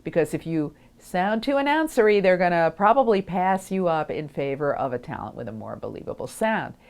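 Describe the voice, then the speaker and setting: A woman with a slightly low voice coaches the listener in an instructional talk. Her intonation is very lively, moving widely up and down, and she enunciates carefully, stressing key phrases. She is speaking outdoors. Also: brisk. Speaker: host and voice-over coach. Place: outdoors on a windy day.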